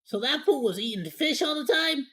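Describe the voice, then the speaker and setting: A woman's voice: sits high, expressive, moderate pace, pushed and bright. A woman streamer giving casual live reaction commentary, talking in an informal, joking, slangy way with some mild swearing.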